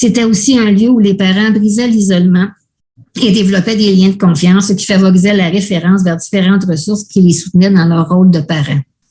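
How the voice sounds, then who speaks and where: A woman speaks in a Quebec accent with a dark, mellow tone. Her voice is somewhat breathy, and her intonation is fairly even. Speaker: childcare advocate, poverty advisory council member. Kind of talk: webinar panel presentation. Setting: online webinar. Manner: halting, with repetitions.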